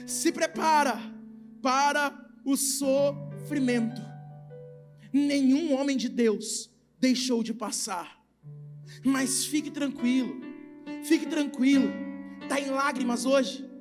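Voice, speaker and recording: Um homem pregando um sermão inflamado com sotaque brasileiro, que alterna gritos com falas baixas e suplicantes. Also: male voice, very high voice, takes it slowly, long pauses, music in the background. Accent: Brazilian Portuguese. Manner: swings between shouting and hushed, intimate pleading. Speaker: preacher. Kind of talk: impassioned sermon. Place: large retreat hall with a congregation.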